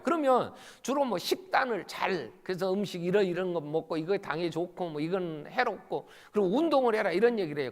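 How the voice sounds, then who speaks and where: A middle-aged man preaching a Sunday sermon as pastor, animated, swinging between loud and hushed, often acting out quoted dialogue in different voices. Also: high voice. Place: church sanctuary. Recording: long church reverb.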